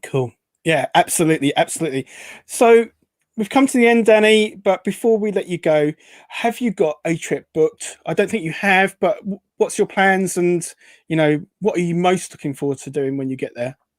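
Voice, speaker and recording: With a British accent, a woman speaks with lively intonation. The sound is dry and close, with no echo. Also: medium pitch for a woman, moderate pace. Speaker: podcast host. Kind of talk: casual chat. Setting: live online show.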